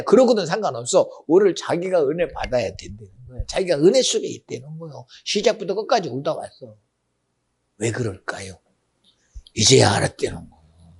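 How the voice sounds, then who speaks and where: A man preaching a sermon as pastor, swinging between loud exclamations and hushed, almost whispered asides. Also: medium pitch, vocal fry.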